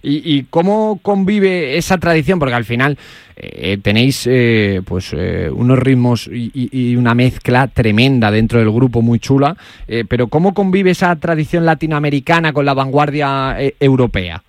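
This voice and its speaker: A man's voice: medium pitch, expressive, moderate pace, no echo. A man from Granada, a radio host asking questions in a hesitant way with many fillers. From Granada, Spain. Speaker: radio interviewer. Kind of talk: radio interview.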